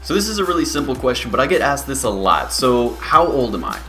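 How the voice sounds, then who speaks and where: A young man in his early twenties talks through a casual question-and-answer vlog at a middling pitch. He rambles easily and leans on fillers, and faint music plays under his voice. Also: a little fast. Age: 20s. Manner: relaxed, rambling, many fillers. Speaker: YouTuber.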